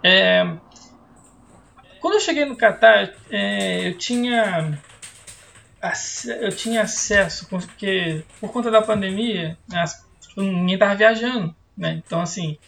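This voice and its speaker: A man's voice: high voice, a little slow, creaky, bright, forceful tone, slight background noise. Laid-back Brazilian man telling a story. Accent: Brazilian Portuguese. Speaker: podcast co-host. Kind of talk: casual chat over a video call.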